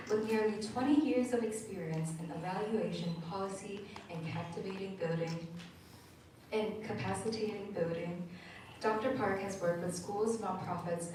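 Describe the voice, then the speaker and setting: A woman emcee reads a speaker's introduction from a script and corrects her small slips as she goes. She stands far from the mic, and the hall rings with heavy echo. Steady background noise sits under her voice. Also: medium pitch. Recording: echoey hall, voice from far off, noisy.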